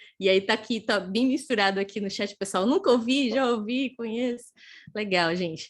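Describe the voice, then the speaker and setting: A woman with a Pernambuco accent, fairly high in pitch, at a moderate pace with ordinary pitch variation. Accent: Pernambuco accent, noticeable. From Brazil, Pernambuco. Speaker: career speaker and HR recruiter. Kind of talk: online lecture. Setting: livestream. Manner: animated.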